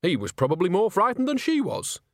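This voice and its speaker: A man's voice: on the high side, sing-song, moderate pace, dry recording, clean studio sound, pitched above the performer's own voice. A man voicing a chatty elderly village witch in a storybook, bickering and wheedling in an airy, defensive way. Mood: airily defensive.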